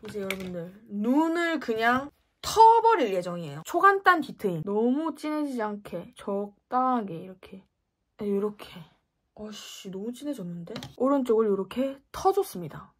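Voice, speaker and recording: A young woman in her twenties talking through a makeup tutorial, playful, often dropping to a whisper between bright exclamations. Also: medium pitch, very animated, moderate pace. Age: 20s. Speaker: beauty vlogger.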